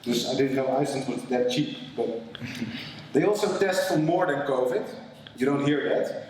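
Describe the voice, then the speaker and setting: A man doing an amateur stand-up set with slow, deadpan delivery. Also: medium pitch, slight background noise. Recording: echoey hall, distant mic, crowd.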